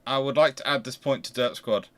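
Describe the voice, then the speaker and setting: Guy hosting a casual history panel, bright clear-cut sound, medium pitch. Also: fairly quick. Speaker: host of a history discussion.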